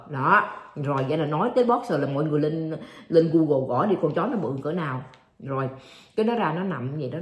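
Middle-aged woman telling a sad story. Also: sits low. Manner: repetitive, addresses viewers as aunts and uncles. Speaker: vlogger. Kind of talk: emotional personal storytelling. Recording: roomy echo.

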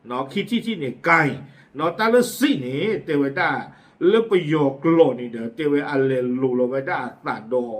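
A man presenting community news in a casual, chatty way, with frequent fillers and asides. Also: on the high side. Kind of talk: casual spoken news commentary.

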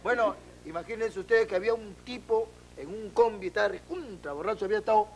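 Brief: male comic host, very high voice, playful delivery, noisy crowd recording. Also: quick pace. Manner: playful, acts out characters in jokes. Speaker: comedian host. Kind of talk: stand-up joke telling.

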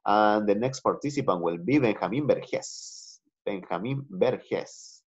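A Chilean man teaching English over a video call, his voice a little husky. He is patient, mixes Spanish with English and repeats himself often. The call audio is muffled and lo-fi. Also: on the low side, slow pace. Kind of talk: online class teaching. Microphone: computer mic on a video call.

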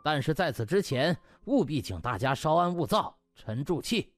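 A man's voice: a little high, big pitch swings, moderate pace, dry recording, faint music behind. Man playing a pompous, smug hospital director. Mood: pompous, placating. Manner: pompous, officious speechifying. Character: smug, scheming male hospital director feigning righteousness. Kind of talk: dramatised comic audiobook.

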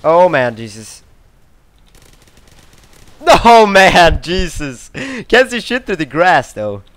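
A young man from Sweden narrates his own match as he plays, breaking into sudden outbursts and swearing often. His pitch jumps around lively, and his voice comes through smooth and clear. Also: takes it slowly, dry recording. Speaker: gameplay commentator. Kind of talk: live gameplay commentary.

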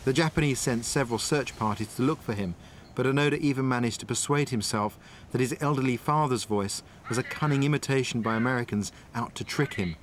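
A man narrates a survival documentary in an even, mid-pitched voice. He works outdoors on a tropical island and explains traps and wild food one step at a time. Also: fairly quick, a little hiss or hum. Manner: calm, explanatory, tells and shows step by step. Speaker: survival expert and presenter. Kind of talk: documentary narration and on-location demonstration.

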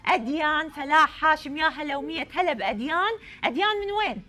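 A young Iraqi woman presents a lively TV call-in game show in a studio with music behind her, speaking in an Iraqi Arabic accent. She is playful and effusive, often repeating her phrases. Her voice is high, fast, bright, and forceful.

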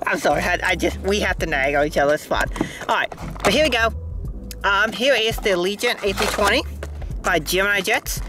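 A man casually unboxing model planes outdoors at an airport, chatty and easily excited, filmed on a tripod-mounted phone. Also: high voice, normal speed, pauses often, over music. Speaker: aviation YouTuber.

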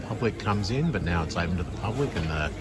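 A man's voice: low-pitched, animated, quick pace, very noisy. A man, hosting a casual car vlog and rambling with plenty of fillers, recorded on a phone in a car. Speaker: vlog host. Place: inside a parked car.

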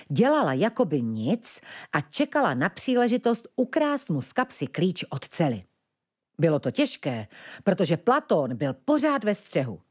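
Calm woman reading a fairy tale. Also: fairly low pitch, husky. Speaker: narrator. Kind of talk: storybook narration.

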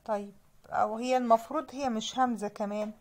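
A young woman with an Egyptian accent leads a children's reading lesson. Her voice sits a touch high, and she sounds out each letter slowly and patiently before saying the whole word. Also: fairly even intonation. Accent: Egyptian Arabic. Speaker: teacher.

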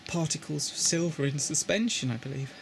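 A man's voice: a little high, brisk, vocal fry, noisy background. A British man explaining his model railway coach lighting work in a casual tutorial, often repeating words as he handles the parts. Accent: British English. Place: indoors at a table with a model railway.

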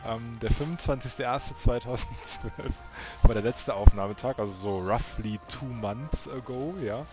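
A young man with a German accent hosting a casual multiplayer let's play, chatty and quick to laugh. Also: medium pitch. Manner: chatty, laughing, hurried asides. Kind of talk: casual gaming chat. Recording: game music behind voice.

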